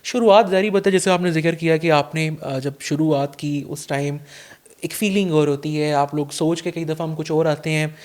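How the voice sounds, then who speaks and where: Young male podcast host, chatty and courteous, slightly high voice. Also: steady tone, moderate pace. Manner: chatty, warm formal address, frequent fillers. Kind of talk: casual interview chat.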